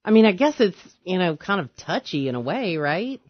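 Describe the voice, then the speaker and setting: A man hosting a radio call-in show, talking in a smooth, easy host manner and agreeing along with his guest. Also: high voice, very animated, dry recording. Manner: smooth, conversational, quick to agree. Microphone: studio microphone. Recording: dull, dry radio studio sound.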